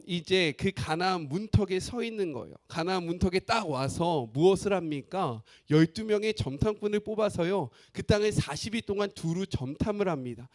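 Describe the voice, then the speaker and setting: A male pastor preaching a sermon, who keeps the congregation involved by asking them frequent questions. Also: sits high.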